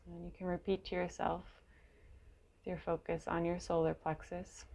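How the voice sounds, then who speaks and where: A woman leading a guided meditation in a gentle, unhurried way, leaving long pauses between short phrases, with a creaky voice. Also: lowish voice, flat delivery. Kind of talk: guided meditation, slow and soothing.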